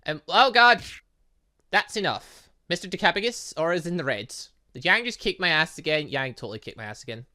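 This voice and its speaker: Animated bright-voiced man doing game commentary. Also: on the high side, a little fast. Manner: excitable, rambling, stumbles over read lines. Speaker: gaming video host, let's play narrator. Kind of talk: casual gameplay commentary, reading game dialogue aloud.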